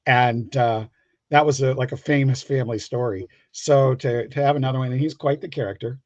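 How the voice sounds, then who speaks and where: A man tells stories in a casual, meandering way, often halting as he goes. His voice sits at an average pitch. The sound is somewhat dull and lo-fi. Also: a little mellow. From United States, Pittsburgh area. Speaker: guest comic book creator. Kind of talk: casual anecdotal chat. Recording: dull lo-fi, roomy call audio.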